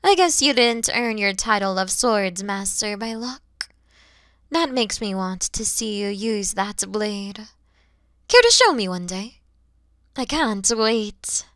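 A woman voicing a huge, kind, motherly dragon who is proud and teasing, in an ASMR roleplay, explaining things gently and patiently. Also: medium pitch, no room sound, clean studio sound. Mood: amused, curious. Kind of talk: ASMR audio roleplay addressed to the listener.

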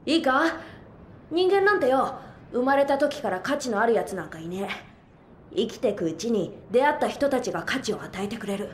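A woman playing a brash, protective young boy in a Japanese audio drama, speaking in a rough, blunt boyish way. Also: fairly high pitch, sing-song, moderate pace, echoey room, a little hiss or hum. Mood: reassuring, earnest.

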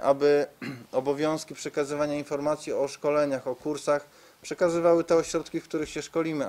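A man in his thirties speaks as a spokesman at a press conference. His mid-range voice stays very even and flat. He is formal and measured, with hesitant pauses as he presents. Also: medium pitch. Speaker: medical reform spokesman. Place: conference room, seated at a table before a screen. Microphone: press microphones on the table.

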